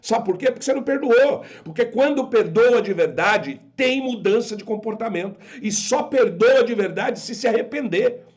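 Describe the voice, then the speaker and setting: A man preaches with emphatic conviction, firing the same rhetorical question again and again. His voice sits high for a man. The recording is a little dull and muffled. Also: expressive, normal speed, few pauses. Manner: quotes imagined objectors in put-on voices. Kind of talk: preaching to an online audience.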